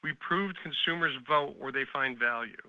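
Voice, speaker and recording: A man presenting scripted earnings remarks as a company executive, in a deliberate, declarative reading style. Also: mid-range voice, sharp tone, clear, resonant tone, no room sound. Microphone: conference call line. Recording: dull, band-limited call audio.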